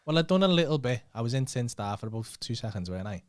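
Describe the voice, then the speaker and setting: A man's voice: medium pitch, sing-song, quick pace, no echo, studio quality. A man hosting a podcast in casual banter, swearing freely and laughing often. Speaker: podcast host.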